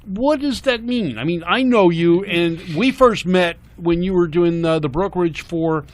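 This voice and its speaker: A man's voice: high voice, a little slow. Upbeat male radio car-show host. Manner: upbeat, laughs often, rambling introductions. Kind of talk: casual live car-show banter. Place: radio studio.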